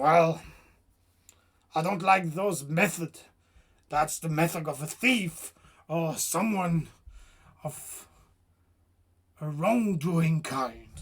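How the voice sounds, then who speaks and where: In a put-on character voice at a middle pitch, the speaker moves at a very slow pace with long, frequent pauses. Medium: read story.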